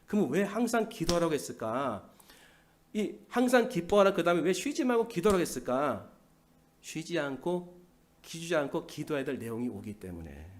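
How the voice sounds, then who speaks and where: A middle-aged male pastor preaching to his congregation in a church. His voice sits a little high for a man and leaps widely up and down. He shifts from loud bursts to quiet, almost whispered asides, and keeps asking questions and answering them himself. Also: sing-song, normal speed. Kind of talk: sermon. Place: church sanctuary.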